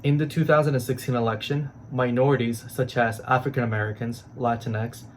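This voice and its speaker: A man reading scripted explainer narration in a measured, serious way. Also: mid-range voice, steady tone, a little hiss or hum.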